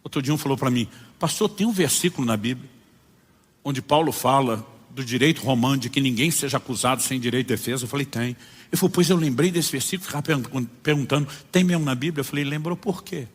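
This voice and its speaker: A man's voice: medium pitch, quick pace, slightly rough, in a large hall. A Brazilian man preaching as a pastor, telling stories and acting out the dialogues in them. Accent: Brazilian Portuguese. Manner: animated storyteller acting out dialogues. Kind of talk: sermon with storytelling.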